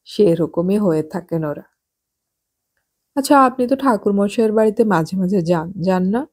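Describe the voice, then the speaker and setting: A woman voicing a nosy, gossipy well-off married woman in an audiobook, chatty and sharp-tongued. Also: medium pitch, normal speed, slightly rough, close to an everyday voice. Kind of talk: audiobook character voice.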